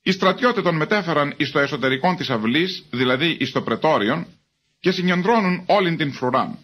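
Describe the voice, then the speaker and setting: A man giving a measured, formal reading of scripture as a Bible reader. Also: on the high side, animated, a bit bright.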